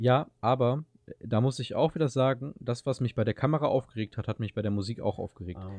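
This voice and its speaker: A man's medium-pitched voice with ordinary pitch variation, dry and close with no echo, over a quiet background. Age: 20s. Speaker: podcast co-host, teacher-training student and musician. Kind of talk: casual chat. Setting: indoor home studio. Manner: hesitant, many fillers.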